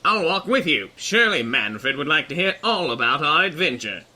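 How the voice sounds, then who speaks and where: A courtly, talkative gentleman, played by a man in a fantasy audio comedy. His fairly high voice is very bright and swings about as he makes polite, flowery remarks. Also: sing-song, normal speed, full character voice. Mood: chipper. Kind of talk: comic fantasy audio drama acting.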